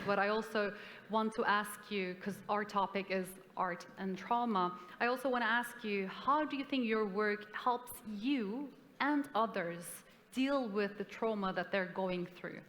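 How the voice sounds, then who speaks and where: A woman moderates a panel with effusive encouragement. Her mid-pitched voice rings through a large hall with a long reverb. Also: moderate pace, fairly bright tone. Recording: hall reverb, stage mic.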